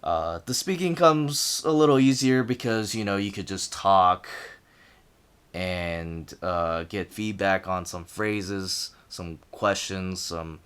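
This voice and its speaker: Very deep-voiced man, clear and smooth. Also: slow pace, a bit bright. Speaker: language learner sharing progress. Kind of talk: casual reflective talk to camera.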